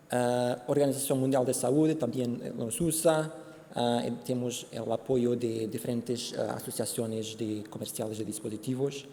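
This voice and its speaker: A Portuguese man giving a conference presentation in Spanish with a Portuguese accent, speaking haltingly with many fillers and restarts. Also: mid-range voice, warm tone. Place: conference hall. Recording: hall reverb, faint background noise.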